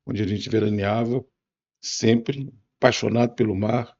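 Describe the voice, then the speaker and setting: A man in his seventies from Bahia, Brazil, with a Bahian accent, answering interview questions in a musing, unhurried way with restarts. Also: on the low side, steady tone, a little mellow, lo-fi sound. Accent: Bahian Brazilian Portuguese. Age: 70s. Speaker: interview guest.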